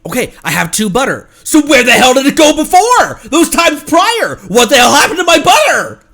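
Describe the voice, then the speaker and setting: A man's voice: very high-pitched, wildly swooping pitch, moderate pace, sharp tone. A man livestreaming a game with casual, rambling and exclamatory commentary. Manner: exclamatory, rambling, laughs easily.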